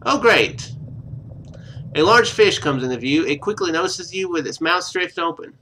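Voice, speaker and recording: This bright, fairly high-voiced man narrates on-screen game text aloud with lively pitch during a live stream, then slips into offhand, sarcastically wry remarks. He keeps a moderate pace, and the low-quality recording carries a little hiss or hum.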